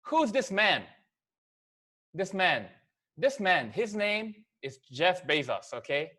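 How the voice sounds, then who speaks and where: A man in his thirties, raised in Korea with Korean as his first language, walks viewers through a slide presentation. His delivery is casual and chatty, leaning on fillers and frequent "okay?" checks. His voice sits slightly high for a man. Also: big pitch swings, slow, sharp tone. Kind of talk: business presentation to camera.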